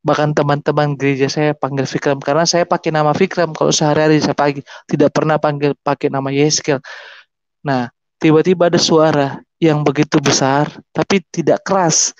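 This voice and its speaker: A man with a fairly high voice recounts his conversion as testimony, animated and vivid, acting out the voices in his story. The sound is dry and slightly muffled. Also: dry recording. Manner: animated, acts out voices and gestures while telling his story.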